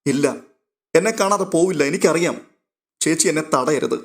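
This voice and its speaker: A man's voice: a little high, moderate pace, lightly acted. Man voicing a pleading, tearful young woman. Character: tearful young woman torn over her lover.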